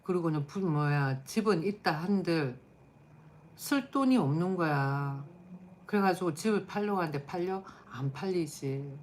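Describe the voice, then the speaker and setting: Blunt low-voiced woman streamer chatting. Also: animated, a little slow, a little mellow, slight background noise. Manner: blunt, chatty, answers chat comments aloud. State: tired. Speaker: live stream host. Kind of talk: casual live chat with viewers.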